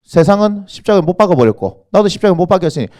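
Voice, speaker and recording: A man's voice: sits high, sing-song, racing, a little mellow. A male senior pastor, preaching a sermon in a church and quizzing the congregation with rhetorical questions. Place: church sanctuary.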